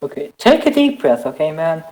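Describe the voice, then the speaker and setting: A woman bantering as a podcast co-host in a halting way, often repeating her words. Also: low-pitched, very animated, a little mellow. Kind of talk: casual banter.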